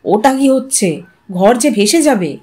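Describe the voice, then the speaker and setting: A woman voicing a calm, teasing middle-aged father with a wry, unhurried manner, in an audio story. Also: fairly high pitch. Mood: wry, unworried.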